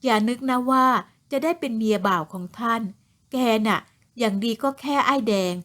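A woman voicing a sharp-tongued older noblewoman in a storybook drama, speaking in slow, cutting tones. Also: on the high side, close to an everyday voice. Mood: sneering. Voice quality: slow, cutting, scornful delivery.

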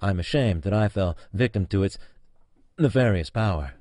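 An actor playing a pompous, envious space captain in a comic audio drama, speaking with melodramatic, halting emphasis. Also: male voice, lowish voice, expressive, a little mellow, no room sound, clean studio sound, natural voice. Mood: solemn, self-important. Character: pompous, envious male starship captain turned bowler, parody. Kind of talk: comic audio drama acting with log narration.

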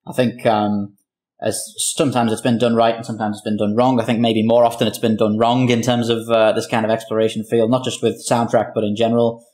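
Flat-toned, low-voiced analytical man. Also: a little fast. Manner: analytical, explanatory. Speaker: show creator on a discussion panel. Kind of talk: opinionated roundtable discussion.

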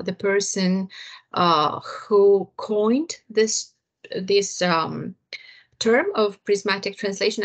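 A woman's voice: mid-range voice, creaky. A woman with a Romanian accent giving an online lecture to colleagues, hesitant, with many fillers and restarts, over a video call.

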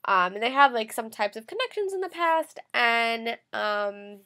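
A young woman with a slight cold talks through a book review at her webcam in her bedroom. Her voice sits a little on the high side, and she keeps it chatty and loose, full of fillers and quick self-corrections. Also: sing-song, bright, forceful tone. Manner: chatty, gestures a lot, many fillers and restarts. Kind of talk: casual book review vlog. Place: bedroom with photo-covered wall. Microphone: webcam at close range.

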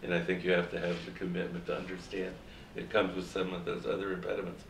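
An older man gives measured career advice on a panel. His voice is very low and gravelly. The sound is distant and echoey, as if taken from across a seminar room. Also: completely flat delivery, slight background noise. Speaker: former Foreign Service officer, panelist. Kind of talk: panel talk. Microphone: far camera.

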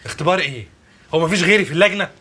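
A man's voice: high-pitched, racing, a crowd in the background, lightly acted. A man playing a weary, self-pitying captain. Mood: exasperated. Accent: Egyptian Arabic. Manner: lamenting, pleading, exasperated. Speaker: film character. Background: film score music.

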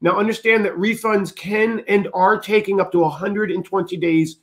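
Man with a high voice reading updates. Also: normal speed. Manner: steady, methodical list-reading. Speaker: host of a cruise travel channel.

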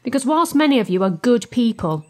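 A woman's voice: a little high, very animated, brisk, soft background music. A woman playing a wry storybook narrator in scripted comic cartoon narration. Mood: mock-solemn.

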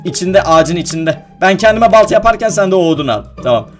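An excitable young man gives a casual gaming vlog, his voice sitting high and swinging widely up and down. He laughs often and coaches patiently. Faint music plays under him. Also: fast talker. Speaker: gaming YouTuber.

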